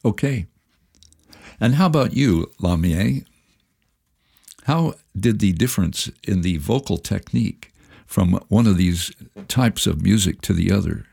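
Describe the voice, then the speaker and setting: A male radio host with a very deep voice full of gravel. His tone is slightly husky. He introduces guests and music in a steady, measured announcer's manner.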